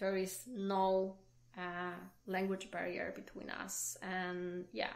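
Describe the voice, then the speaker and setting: A woman with a Polish accent at a medium pitch, very slow pace and fairly even intonation, with audible room echo. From Poland. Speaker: podcast host. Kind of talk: casual chat. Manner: halting.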